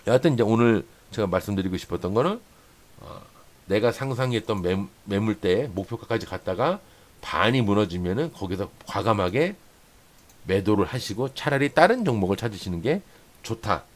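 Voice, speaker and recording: A man's voice: fairly low pitch, expressive, normal speed. A man hosting a stock trading channel, walking viewers through a chart and repeating points for emphasis. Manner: explanatory, points along a chart with many "here" and "this much"; repeats phrases for emphasis, asks "right?" often. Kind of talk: chart-analysis lesson for day traders.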